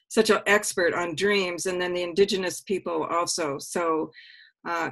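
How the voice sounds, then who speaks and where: A woman psychologist introducing herself on a video call, speaking hesitantly with pauses and restarts. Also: lowish voice, vocal fry, fairly bright tone. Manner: hesitant, many fillers and restarts. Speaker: guest co-host, depth psychologist.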